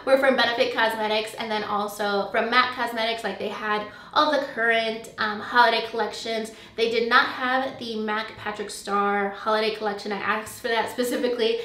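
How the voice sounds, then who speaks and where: A woman's voice: a little high, steady tone, normal speed, few pauses, bright, forceful tone, far from the mic. Chatty young woman in an echoey room. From USA. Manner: chatty, many fillers like "um" and "like". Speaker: beauty vlogger. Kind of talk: casual chat to camera. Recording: echoey room, voice slightly off-mic.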